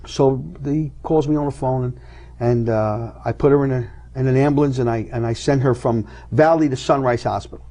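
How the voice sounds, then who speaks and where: A man's voice: mid-range voice, moderate pace, mellow. A middle-aged man, a guest on a TV talk show, telling an emotional personal story and acting out what each person said. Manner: dramatic, acts out each person's lines in the retelling. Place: TV studio.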